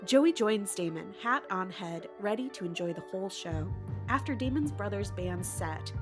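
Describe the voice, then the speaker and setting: A woman's voice: mid-range voice, lively intonation, normal speed, over music. A woman narrating a comic audio drama in a playful, mock-dramatic way. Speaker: podcast host and narrator. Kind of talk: scripted storybook narration.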